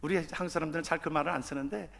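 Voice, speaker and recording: A middle-aged male pastor preaches with a high, bright, forceful voice. He moves between quiet, chatty asides and ringing proclamations of scripture. His words bloom in the long reverb of a church sanctuary. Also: steady tone, rapid-fire, gravelly. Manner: fervent preaching, swings from soft asides to loud proclamations. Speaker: senior pastor. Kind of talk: sermon.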